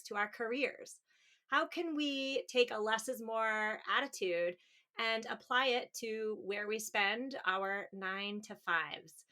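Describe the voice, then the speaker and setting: A woman's voice: fairly high pitch, pushed and bright. An American woman hosting a podcast, speaking in an upbeat, chatty interview style. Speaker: podcast host.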